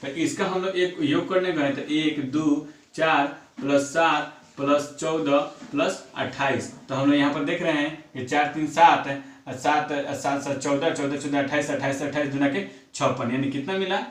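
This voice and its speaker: A man's voice: fairly high pitch, steady tone, moderate pace, hardly any pauses. Man teaching math, echoey. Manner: repeats numbers aloud while working sums, asks and answers own questions. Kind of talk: classroom math lesson. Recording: echoey room, far from mic.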